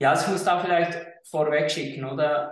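A man talks at a fairly slow pace in a fairly high pitch. His intonation is flat and monotone. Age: 30s. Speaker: entrepreneur and ultra-endurance athlete. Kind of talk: interview. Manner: halting, many fillers.

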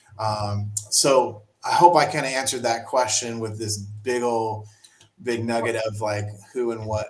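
Over audible room echo, a man speaks at a fairly slow pace, at a medium pitch with ordinary pitch variation. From small town. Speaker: video production company owner. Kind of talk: casual interview.

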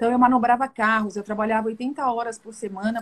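Fairly quick and somewhat breathy, a woman talks at a fairly high pitch with fairly even intonation. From Brazil, São Paulo. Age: 50s. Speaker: family constellation therapist. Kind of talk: live stream interview.

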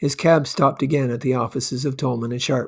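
This is an ordinary speaking voice, delivered at a fairly quick pace with fairly even intonation. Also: man. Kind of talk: literary audiobook reading, scripted narration with character voices. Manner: clear, expressive, lightly amused tone.

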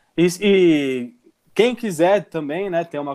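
Over a silent background in a very clean recording, a man with a normal speaking voice talks at a fairly high pitch with lively intonation. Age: 20s. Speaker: composting entrepreneur. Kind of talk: casual interview.

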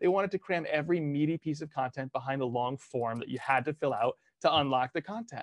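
A man with an American accent and fairly high pitch, an ordinary speaking voice at a fairly quick pace, against a quiet background. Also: dry, close sound with no echo. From United States. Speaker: keynote speaker. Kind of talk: interview.

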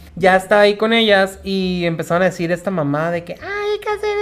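A woman is talking. Her pace is fairly quick. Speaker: podcast co-host. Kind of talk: casual chat. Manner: animated.

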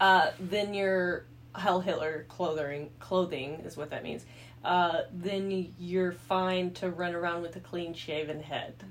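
A woman with an American accent, fairly low pitch and monotone, flat intonation, at a very slow pace, with audible room echo. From Indianapolis, US Midwest. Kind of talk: casual chat.

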